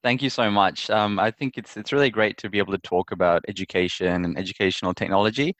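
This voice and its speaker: A young man from Perth, Australia, answering interview questions in a friendly, relaxed way and repeating words as he thinks. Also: lowish voice, fast, no echo. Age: young adult. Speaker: interview guest, startup founder. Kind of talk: conversational interview.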